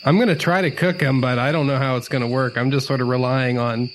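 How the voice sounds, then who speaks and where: A man's voice: medium pitch, steady tone, quick pace, a little hiss or hum. A man playing a tabletop role-playing game, improvising casually in a tentative, rambling way.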